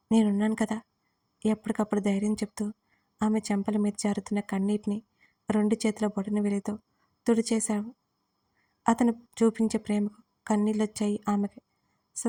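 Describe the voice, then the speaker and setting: A woman narrating an audio drama in a calm, measured way. Her voice is mellow and dark, and her pitch stays flat and even. She reads steadily from a script. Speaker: storyteller.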